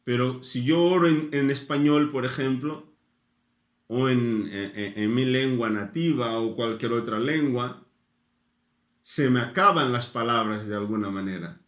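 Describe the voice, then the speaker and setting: Slow, deliberate preacher in an echoey room. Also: male voice, mid-range voice, a bit bright, highs cut off. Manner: slow, deliberate, pausing after short phrases. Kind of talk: sermon teaching.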